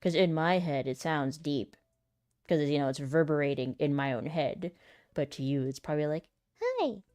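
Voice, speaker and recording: A woman's voice: low voice, fairly even intonation, moderate pace, clear, resonant tone, no echo. Giggly woman with a small voice. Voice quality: small, light voice. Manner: giggly, chatty and self-deprecating, thinking out loud. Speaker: aspiring voice actor and content creator. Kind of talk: casual vlog talk while practicing voice lines.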